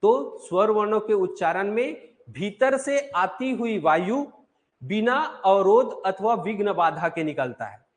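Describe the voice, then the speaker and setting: High-voiced male coaching teacher. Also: lively intonation. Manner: explains slowly, asks and answers his own questions. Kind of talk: online class lecture.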